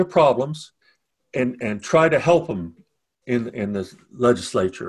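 A man with a West Virginia accent talks with vocal fry and very wide pitch swings. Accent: West Virginia Appalachian English. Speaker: political candidate, retired delivery driver. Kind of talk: interview. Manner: halting.

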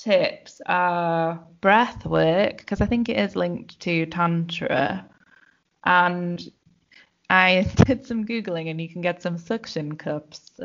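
A woman speaks very slowly at a fairly low pitch. Her intonation is lively. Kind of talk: casual chat.

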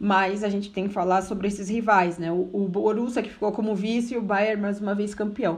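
A fairly high-pitched, somewhat breathy woman's voice, animated and fairly quick, with audible room echo. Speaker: football podcast host. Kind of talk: solo podcast commentary.

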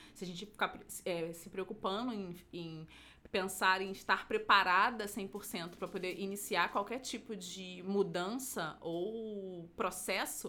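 A woman's bright, sharp tone at medium pitch, delivered at a fairly slow pace with ordinary pitch variation and big swings in loudness. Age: 30s. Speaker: podcast co-host. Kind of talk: casual chat.

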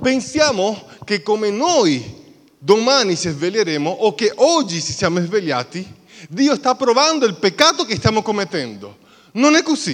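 With a Spanish accent, a man speaks at a fairly slow pace in a high pitch, swinging very widely up and down. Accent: Spanish-accented Italian. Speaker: pastor. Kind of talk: sermon. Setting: church. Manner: halting.

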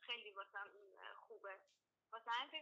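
A woman talks at a fairly quick pace. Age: 20s. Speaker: traveller, former photography student. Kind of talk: interview.

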